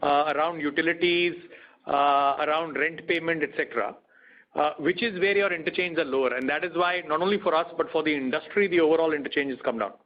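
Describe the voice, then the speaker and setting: A man's voice: a little high, fast talker. A man with an Indian accent, a bank executive explaining figures matter-of-factly on an earnings call. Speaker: bank retail business executive. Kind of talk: earnings call question and answer. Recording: dull conference call audio.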